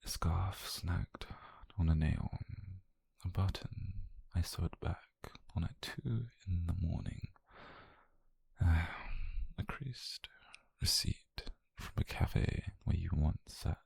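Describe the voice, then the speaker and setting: A British man playing an obsessive, possessive mafia boyfriend, calm and dangerous, in a slow, controlled, breathy half-whisper for an intimate ASMR roleplay. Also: low-pitched, full character voice. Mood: obsessive, tender. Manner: slow, controlled, menacingly tender murmur. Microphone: close microphone, dry.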